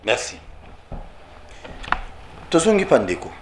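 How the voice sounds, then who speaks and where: Interviewer with short prompts. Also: male voice, on the high side, very animated, slow pace, darkish tone, echoey room, a little hiss or hum. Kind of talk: street interview.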